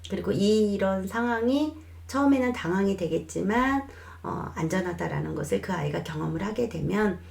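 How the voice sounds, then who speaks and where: A woman who is a child development expert, calmly explaining parenting advice in a lesson and sometimes acting out what a mother might say. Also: mid-range voice, moderate pace, vocal fry. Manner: calm, reassuring explanation with acted quotes of mothers.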